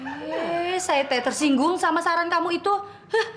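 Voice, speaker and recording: An actress playing an indignant, melodramatic older sister with a Sundanese-tinged Indonesian accent. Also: female voice, very high voice, moderate pace, a bit bright. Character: touchy older sister Teteh, dramatic.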